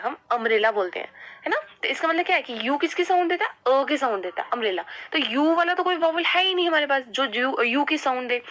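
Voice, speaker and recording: On poor audio, a woman with a fairly high, pushed and bright voice teaches an English grammar lesson in Hindi, classroom-style. She keeps posing questions and answering them herself, frequently saying "ठीक है".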